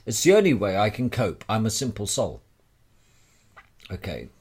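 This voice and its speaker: A man delivering a rambling monologue straight to the listener in a wry, theatrical manner with deliberate dramatic pauses. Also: fairly low pitch, huge pitch swings, a little mellow, husky. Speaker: speaker sharing personal views.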